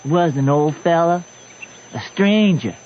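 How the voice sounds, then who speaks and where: Gossipy southern farm boy, really high voice, rustic talk, muffled hissy old radio. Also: slow pace. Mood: eager, gossipy. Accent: American Southern. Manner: folksy rustic dialect. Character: gossipy backwoods country boy, eager and talkative.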